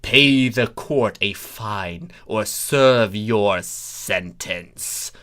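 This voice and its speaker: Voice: medium pitch, drawn-out words, fairly bright tone, pitched below the performer's own voice. A performer voicing pompous, growling, commanding changeling police in a cartoon fan story. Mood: menacing.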